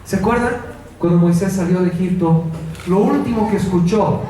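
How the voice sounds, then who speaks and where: A man's voice: high voice, moderate pace. A man preaching a sermon, telling the story dramatically and putting direct questions to his listeners. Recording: echoey hall from far off, faint noise.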